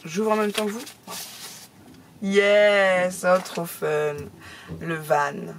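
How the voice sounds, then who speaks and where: A middle-aged woman chatting casually to her viewers as she opens fan mail, talkative and quick to laugh. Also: on the low side, background noise. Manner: chatty, laughs often, exclaims. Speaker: craft YouTuber opening fan mail. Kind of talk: casual chat to camera.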